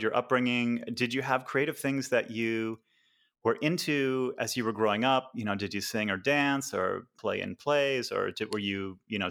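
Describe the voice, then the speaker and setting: A man with an American accent hosting a podcast interview, friendly and quick to laugh, with some hesitant fillers. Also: lowish voice, fairly bright tone. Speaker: podcast host. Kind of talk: casual interview chat.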